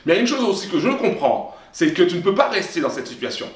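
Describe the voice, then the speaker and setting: A man's voice: sits high, sing-song, fast, echoey room. A man giving a motivational talk straight to camera, emphatic and repetitive, often restarting his phrases. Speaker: self-help vlogger.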